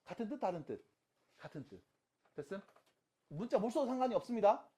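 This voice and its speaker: A math teacher giving an online lecture to high school students. The teacher keeps asking rhetorical questions, repeats key steps slowly, and mixes casual and polite speech. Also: very animated, mellow, husky.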